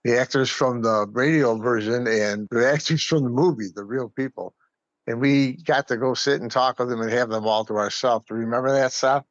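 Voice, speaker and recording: A man's voice: medium pitch, steady tone, brisk, no echo. An American man of middle age or older telling casual stories as an amateur actor on a slightly dull recording. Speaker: community theater actor and podcast guest. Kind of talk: casual storytelling.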